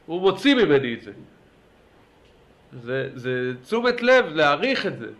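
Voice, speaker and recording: A man teaching a religious class in a lively lecture style, urging his listeners on and asking them questions. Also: a little high. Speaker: Torah teacher.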